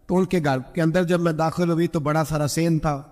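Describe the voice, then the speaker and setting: A man's voice: fairly high pitch, fairly even intonation, a little mellow. Man preaching a storytelling sermon. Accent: Pakistani Urdu. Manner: acts out quoted voices, voice rising sharply for stern lines. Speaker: religious preacher. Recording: long hall reverb.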